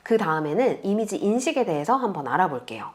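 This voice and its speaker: A woman teaching beginners step by step in a calm, patient screen tutorial, speaking close to the mic. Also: mid-range voice. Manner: patient, explains slowly to beginners. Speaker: online tutor.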